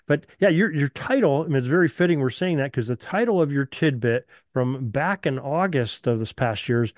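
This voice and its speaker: A man's voice: mid-range voice, animated, moderate pace, dry recording, clean studio sound. A man hosting a football history podcast, upbeat and folksy, fond of puns as he interviews a guest. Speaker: podcast host. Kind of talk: casual interview chat.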